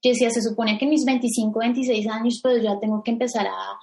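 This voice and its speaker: A woman from Bogotá in her thirties with a Colombian accent, telling her story as a podcast guest, often pausing and restarting. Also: fairly high pitch, vocal fry. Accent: Bogotá Colombian Spanish. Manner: hesitant, restarts often, animated when quoting herself. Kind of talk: casual interview storytelling.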